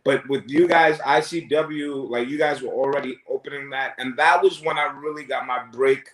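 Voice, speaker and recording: A man chatting casually in a wrestling shoot interview, joking and animated. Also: medium pitch, moderate pace. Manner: joking, animated, frequent laughs.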